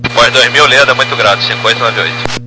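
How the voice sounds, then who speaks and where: A male airline pilot heard over the radio, reading back clearances in short, routine phrases. He talks at a brisk pace with an ordinary mid-range pitch. Music sits clearly in the background. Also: poor audio. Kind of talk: terse radio readbacks.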